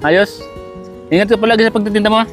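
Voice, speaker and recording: Guy vlogging on a hot street, kinda high voice, keeps asking short "ok?" questions, nice and encouraging. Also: fairly even intonation, quick pace. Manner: coaxing, short repeated check-in questions; encouraging and kindly. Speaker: vlogger handing out gifts. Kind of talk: casual on-the-street chat. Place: outdoors on a sunny street. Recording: background music under the voice.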